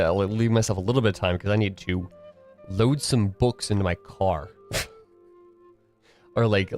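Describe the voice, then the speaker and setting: A man's voice: low voice, a little mellow. Stuffy young man chatting on stream. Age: young adult. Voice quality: tired morning voice. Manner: rambling, filler-heavy, restarts often. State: slightly stuffy, nasal from a cold. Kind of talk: casual solo chat to a live stream.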